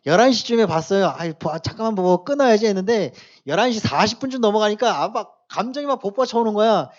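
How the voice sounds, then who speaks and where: A man preaching to a church youth group, shifting between quiet asides and loud emphatic exhortation, often asking his listeners questions. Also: sits high, animated, quick pace, muffled recording. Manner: casual, speaks directly to the youth with questions. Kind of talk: sermon to teenagers.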